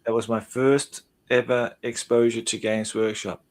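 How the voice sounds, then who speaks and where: A man's voice: medium pitch, flat delivery, measured pace. A man in his fifties with an Australian accent, a podcast guest in casual chat, laid-back, calling people mate and trailing off into fillers. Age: 50s.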